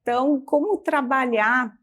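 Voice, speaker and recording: A woman's voice: sits high, measured pace, a bit bright. A woman host, interviewing a guest in a conversational way and often adding small tag questions as she thinks aloud. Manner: musing, frequent tag questions. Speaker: talk show host.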